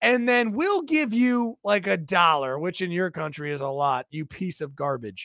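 A man projects a raised voice with a bright, sharp tone and very wide pitch swings. The sound is dry and close with no echo, on a very clean recording with a silent background. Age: 30s. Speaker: comedy podcast host. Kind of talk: casual chat.

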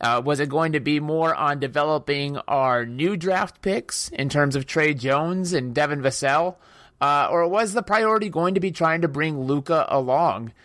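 A man with a normal speaking voice talks at a moderate pace, his pitch fairly high with ordinary pitch variation. He keeps very even loudness and hardly any pauses in a very clean recording with a silent background. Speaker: sports podcast co-host. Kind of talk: casual sports podcast chat.

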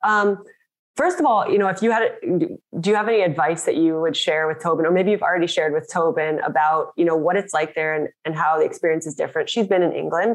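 A woman with an American accent speaks at a fairly quick pace. She has a normal speaking voice. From New Jersey. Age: 30s. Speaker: podcast host. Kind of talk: casual interview.

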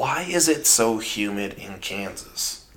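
A man with a Texan accent over noticeable background noise. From Texas. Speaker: podcast co-host. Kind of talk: casual chat.

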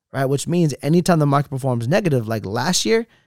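Here is a man with an ordinary speaking voice, medium in pitch with ordinary pitch variation, talking at a fairly quick pace. The recording is very clean with a silent background, and the sound is dry and close with no echo. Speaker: life insurance agent. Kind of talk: casual interview. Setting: studio. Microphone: good mic.

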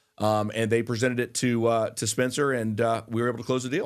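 With an American accent, a man speaks at a very fast pace over a quiet background. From Florida. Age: 40s. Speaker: NIL collective director. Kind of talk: casual chat. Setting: studio.

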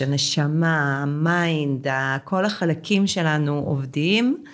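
A woman with a Russian accent speaks at a very slow pace in a very deep, low pitch with ordinary pitch variation. Noticeable background noise sits behind her. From Russia, Saint Petersburg until age 11, then Israel. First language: Russian (speaking Hebrew). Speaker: therapist. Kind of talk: casual interview chat. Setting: small improvised home studio.

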